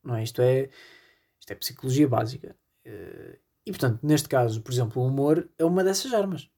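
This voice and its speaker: A man's voice: medium pitch, fairly quick, creaky, mellow, slightly rough. A man with a European Portuguese accent hosting a solo comedy podcast, rambling in a self-deprecating way with constant fillers. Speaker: podcast host.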